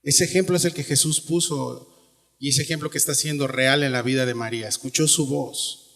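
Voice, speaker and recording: A man's voice: medium pitch, fairly even intonation, brisk, fairly bright tone. A man with a Mexican Spanish accent preaching a sermon in a church, earnest and conversational, often asking the listeners questions. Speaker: pastor. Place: church sanctuary. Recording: long hall reverb.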